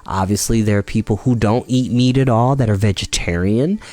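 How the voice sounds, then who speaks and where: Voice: medium pitch, moderate pace, dark tone. A storytime host reading a children's book aloud and explaining it to young listeners.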